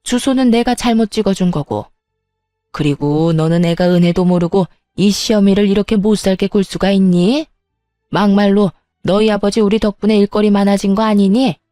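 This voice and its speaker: A scheming older mother-in-law, put on by a woman narrator, haughty and unhurried in a storybook reading. Her tone is warm and dark, set against faint background music. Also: medium pitch, fairly even intonation, no echo, studio quality, lightly acted. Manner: haughty, slow and deliberate.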